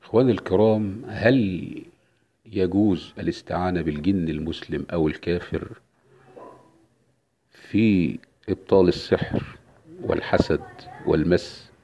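A male preacher delivers a religious lecture, pressing his points and repeating them for emphasis. His voice sits low with a gravelly edge. The recording sounds dull and lo-fi. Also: moderate pace, pauses often, mellow, a little hiss or hum. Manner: emphatic, repeats key phrases. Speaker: Islamic preacher.

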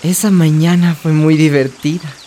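An actress as a trans woman looking back on a hard childhood in a radio soap. She narrates intimately in a slightly low voice, over clearly audible music. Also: fairly even intonation, normal speed, warm tone, lightly acted. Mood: wistful. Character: trans woman wistfully recalling her painful childhood. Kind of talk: radio drama first-person narration.

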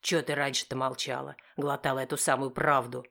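Angry snarling husband done by a low-voiced woman reader, harsh and cursing. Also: little pitch movement, brisk, vocal fry, a bit bright, exaggerated voice. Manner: harsh, snarling through teeth. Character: enraged husband and father, middle-aged man.

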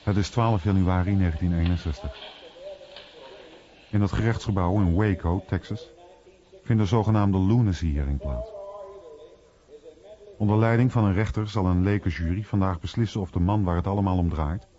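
A man's voice: low-pitched, normal speed, long pauses, mellow. A man reading scripted narration for a radio documentary. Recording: muffled radio recording.

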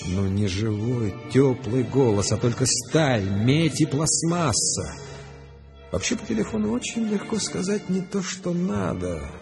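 Wildly animated, eccentric male rebel. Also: mid-range voice, measured pace, gravelly, music in the background. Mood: brooding, intense. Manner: theatrical, wry storytelling. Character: rebellious arrested man, eccentric, gleefully proud of smashing machines. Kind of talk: radio drama acting.

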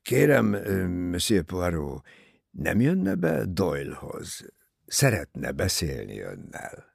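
A man reading an audiobook, voicing a gruff, curt ship's doctor who speaks brusquely. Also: deep voice, wildly swooping pitch, no room sound, clean studio sound, full character voice. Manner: brusque, snapping.

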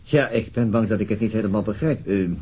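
A man's voice: lowish voice, quick pace, dark tone, slightly rough. A man with a Netherlands Dutch accent playing a sceptical, laconic police detective in a radio drama, terse and questioning. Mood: reserved, puzzled.

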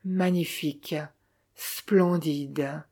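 A reader voicing an agitated older male jeweler, a worried father who scolds his son, with a mellow, husky tone. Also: mid-range voice, lively intonation, normal speed, lightly acted. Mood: admiring. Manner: anxious, scolding.

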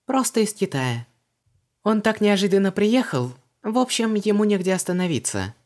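A man's voice: sing-song, normal speed. A man voicing a chirpy flustered young woman. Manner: high, bright, breathless.

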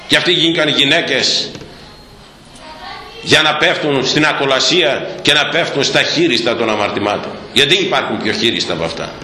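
An older man, a Greek priest, preaching a sermon with fiery shouting bursts and mocking asides. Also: a little high, echoey room, in a large hall.

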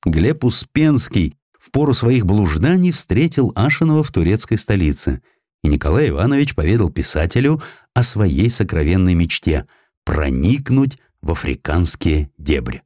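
Expressive low-voiced male storyteller, dry sound. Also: moderate pace, dry recording. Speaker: audiobook narrator. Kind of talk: dramatized scripted narration of a historical sketch.

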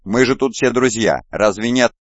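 A man's voice: mid-range voice, moderate pace, no room sound, dull audio, pitched above the performer's own voice, lightly acted. A male reader voicing an arrogant, scarred male warrior in an audiobook, talking in a smug, taunting way.

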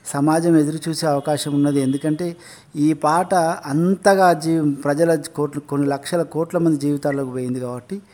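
Man, Telangana Telugu accent, interview guest, earnest storyteller, high pitch. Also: fairly even intonation, normal speed, darkish tone. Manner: earnest, anecdotal, recounts dialogue.

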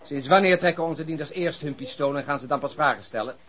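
A man's voice: a little high, fast, a bit bright. An actor playing a blunt, short-tempered male police investigator in a radio drama. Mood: angry exasperation. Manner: questioning, emphatic, easily exasperated.

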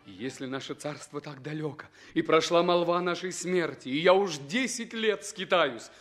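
An actor playing a confident, noble young exiled prince in a theatrical radio drama. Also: male voice, fairly high pitch, normal speed, a bit bright, close to an everyday voice. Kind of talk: theatrical radio play acting.

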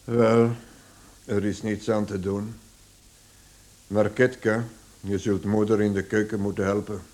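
A man acting a middle-aged, authoritative father in a radio play, speaking deliberately and formally. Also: fairly low pitch, little pitch movement, a little mellow, lightly acted. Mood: stern, resigned. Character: authoritative bankrupt father, measured head of household.

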